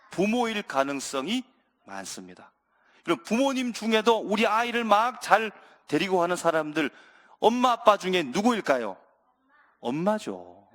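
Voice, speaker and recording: A male pastor preaching a sermon in a church, animated, questioning his congregation and acting out scenes. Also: high voice. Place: church sanctuary. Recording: reverberant church sanctuary.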